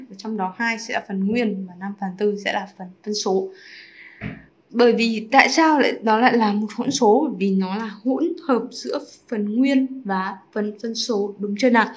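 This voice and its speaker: A woman teacher explaining fractions in an online lesson, chatty and often checking in with her students through quick rhetorical questions. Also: a little high. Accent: Vietnamese. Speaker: math teacher.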